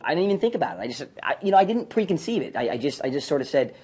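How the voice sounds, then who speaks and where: A man, a former sitcom actor, telling stories in an interview, animated and full of fillers. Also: fairly high pitch, slightly rough. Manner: fast, animated storytelling with many fillers. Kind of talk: retrospective interview.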